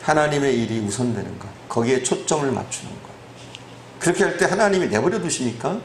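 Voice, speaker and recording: A man's voice: mid-range voice, lively intonation, a little fast, echoey room, slight background noise. A man preaching a sermon as pastor, who acts out prayers and quotes and asks rising, emphatic questions.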